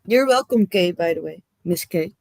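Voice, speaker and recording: A woman guest chatting casually on a livestream, relaxed and hesitant with many fillers. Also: on the low side, moderate pace, gravelly. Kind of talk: casual chat.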